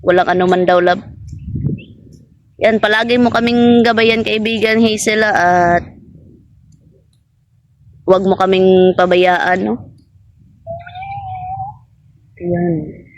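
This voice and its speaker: A woman's voice: medium pitch, fairly even intonation, slow, long pauses, a little hiss or hum. A woman vlogging outdoors in a garden, chatting casually with an unseen spirit friend, passing on what it says and laughing often. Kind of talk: casual spoken vlog addressing an unseen spirit.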